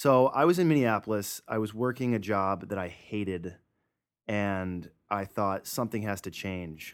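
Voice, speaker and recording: A man speaks at a moderate pace and a fairly low pitch, his pitch varying in an ordinary way, in a very clean recording with a silent background. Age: 30s. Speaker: podcast host and working actor. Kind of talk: solo advice podcast, storytelling. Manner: casual, conversational.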